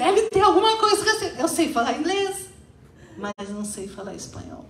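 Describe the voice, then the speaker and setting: In a southern Brazilian accent, a woman speaks at an extremely high pitch with audible room echo. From southern Brazil, Paraná. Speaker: spiritist lecturer. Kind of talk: lecture.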